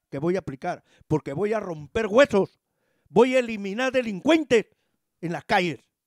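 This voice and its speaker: Animated in tone, a man speaks with high pitch and very wide pitch swings. The background is quiet and the sound is dry with no echo. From Peru. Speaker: lawyer and political commentator; lawyer, political commentator. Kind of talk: political commentary on radio. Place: home room. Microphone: studio mic.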